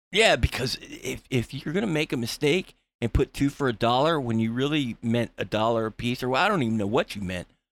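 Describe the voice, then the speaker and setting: A man with an American accent speaks at a fairly quick pace in a plain, everyday voice. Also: medium pitch for a man, dry, close sound with no echo. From Florida. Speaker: tech journalist. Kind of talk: casual chat.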